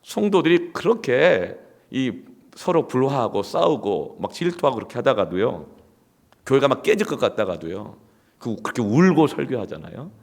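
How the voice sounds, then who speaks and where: A male pastor preaching a sermon through personal stories, emphatic and swinging from hushed asides to loud outbursts. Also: mid-range voice, very animated, moderate pace, vocal fry.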